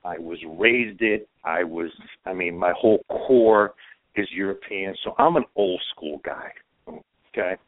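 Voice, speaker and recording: A man's voice: sits low, a little slow, dry recording. A man from Croatia giving emphatic dating advice as a guest, often tagging his points with "okay?", heard over a phone-like line. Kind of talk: casual chat advice.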